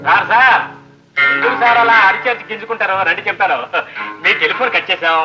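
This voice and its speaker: A man's voice: high-pitched, music in the background, close to an everyday voice. An actor playing a cheeky driver who teases his boss in a mock-polite tone. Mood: teasing. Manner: teasing, quick, mock-polite. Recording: dull old film soundtrack.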